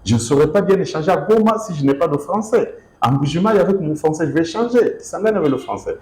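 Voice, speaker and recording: A man's voice: on the high side, fast talker, roomy sound. A man from Kinshasa answering interview questions as an author, speaking emphatically with many fillers and restarts. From DR Congo, Kinshasa. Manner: expressive, emphatic, repeats himself with fillers.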